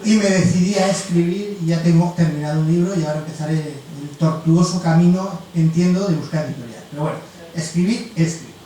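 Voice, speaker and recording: Middle aged guy on a panel, fairly high voice, halting, boomy room w faint noise. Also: mellow. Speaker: police investigator and new writer, panel guest. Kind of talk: informal spoken self-introduction. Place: event room at a festival. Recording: echoey room, distant mic, faint noise.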